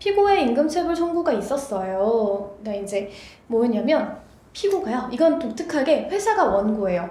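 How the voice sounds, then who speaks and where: A woman's high-pitched voice swings very widely in pitch, with audible room echo and noticeable background noise. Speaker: lawyer and law school lecturer. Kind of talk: online lecture. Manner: fast.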